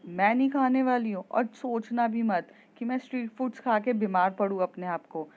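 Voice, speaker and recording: A woman's voice: fairly high pitch, moderate pace, lightly acted. Vain picky young woman, haughty tone, a woman voicing her, muffled lo-fi audio. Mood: snooty. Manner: haughty, mixes in English.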